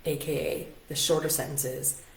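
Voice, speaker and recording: A woman in her forties with a notably low voice coaches on presentation skills in a relaxed, chatty way. She keeps asking her listeners rhetorical questions and checks in with a quick "right?" The sound is roomy and echoey, as if recorded in a bare room at home. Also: creaky. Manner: conversational, full of rhetorical questions and tag "right?". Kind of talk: casual online teaching talk.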